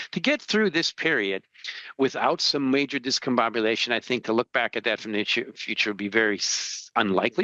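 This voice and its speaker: A man talks in a plain, everyday voice at a fairly quick pace. His pitch is medium, with ordinary variation. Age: 60s. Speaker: commodity market strategist. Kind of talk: interview.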